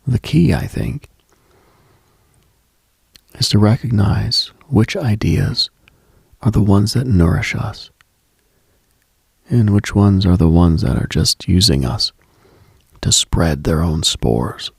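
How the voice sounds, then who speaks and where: Late night radio guy, super husky breathy voice, talks really slow, musing mystical asmr type monologue. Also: lowish voice, no room sound, studio quality. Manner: hushed, musing, pausing often.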